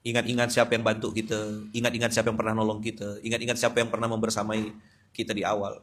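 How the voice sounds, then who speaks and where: Man in his forties, preacher, bright ringing voice, joking sermon style. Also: fairly low pitch, quick pace, slight background noise. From West Kalimantan, Indonesia. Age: 40s. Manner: lively and humorous, with sudden loud emphatic bursts. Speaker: Islamic preacher. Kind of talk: sermon at a dawn study gathering.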